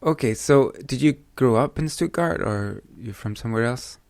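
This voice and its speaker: A man's voice: mid-range voice, normal speed, creaky, a little mellow, no echo. A man hosting a photography podcast, reading a scripted intro and then asking questions in an eager, chatty way with frequent restarts. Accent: Scottish. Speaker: podcast host. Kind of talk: podcast interview.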